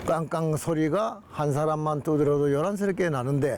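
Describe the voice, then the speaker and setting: Noticeable noise plays behind a man speaking at a moderate pace. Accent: Gyeongsang. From Busan, Yeongdo (Gyeongsang). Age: 80s+. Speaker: longtime local resident. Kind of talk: interview.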